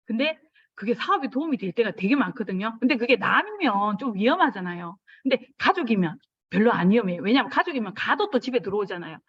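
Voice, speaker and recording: A middle-aged woman speaks to a group about business, her fairly high voice leaping up whenever she acts out a remembered exchange. The recording is dry and a little dull. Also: quick pace, husky, no room sound. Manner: animated, acts out dialogue with sudden high pitch jumps. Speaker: business mentor giving a talk. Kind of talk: lively motivational talk with acted anecdotes.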